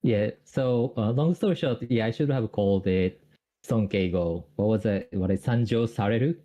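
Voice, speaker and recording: A man's voice: lowish voice, normal speed, dark tone. A Japanese man speaking English with a Japanese accent, explaining grammar on a call, hesitant with many fillers and restarts. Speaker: Japanese tutor.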